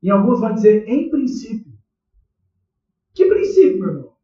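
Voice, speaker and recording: A Brazilian pastor preaches in a loose, conversational way, tossing questions to the congregation. His voice sits high, and it bounces around a very echoey church. The mic is far off and dull. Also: very animated, moderate pace, warm tone. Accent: Brazilian Portuguese. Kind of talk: sermon.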